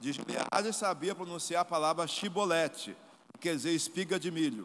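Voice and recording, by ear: The man talks at a moderate pace with a high pitch.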